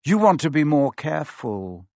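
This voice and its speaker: A man voicing a cold, sneering, menacing male teacher who speaks smoothly and slowly in a storybook reading. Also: a little high, sing-song, darkish tone, no echo. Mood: silky. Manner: smooth, slow, silky.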